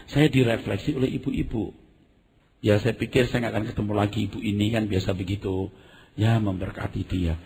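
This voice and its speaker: Man preaching with an animated, wide-ranging delivery and vivid storytelling, heard in a reverberant hall. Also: medium pitch. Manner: animated storytelling, acts out screams and sounds; addresses the congregation as "saudara". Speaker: pastor. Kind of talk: sermon.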